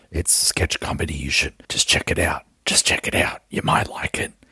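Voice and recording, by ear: A man's raspy, whispering, put-on character voice at a moderate pace, with a dry, close sound and no echo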